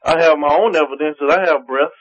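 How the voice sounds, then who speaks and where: A man's voice: fairly high pitch, fast, noisy background. A man calling in to a radio show and arguing heatedly with the hosts, talking over them and repeating himself, heard through a phone line on air. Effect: caller heard over a phone line on air. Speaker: call-in caller to a radio show. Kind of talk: heated call-in debate.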